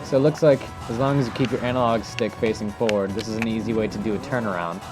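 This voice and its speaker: A man with a fairly low voice talks through gameplay casually, thinking aloud as he goes. His delivery is informal and unscripted, and music plays clearly behind him. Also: fairly even intonation, fast. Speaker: host of a video game technique demonstration.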